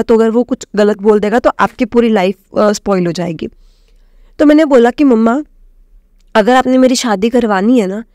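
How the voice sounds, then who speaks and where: Young woman telling her testimony, mellow voice. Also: medium pitch, dry recording, studio quality. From Himachal Pradesh, India. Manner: addresses listeners as "sangat ji", mixes in English words. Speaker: devotee sharing a testimony. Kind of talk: personal testimony told to a congregation.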